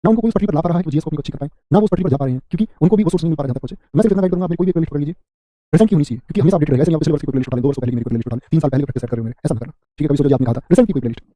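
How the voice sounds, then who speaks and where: Fast-talking, high-voiced man teaching. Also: mellow, no room sound, clean studio sound. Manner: fast, chatty, keeps asking "what will you say?". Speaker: exam coaching teacher. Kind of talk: live online lesson with memory tricks. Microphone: close mic, sped-up video.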